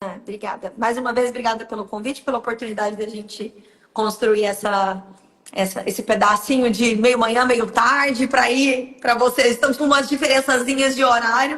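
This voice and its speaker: A woman with a strong Goiás accent speaks in a high voice at a moderate pace, her intonation fairly even amid noticeable background noise. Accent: strong Goiás (goiano). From Brazil, Goiânia (Goiás). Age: 20s. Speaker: entrepreneur, fashion brand founder. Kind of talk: interview on a live stream.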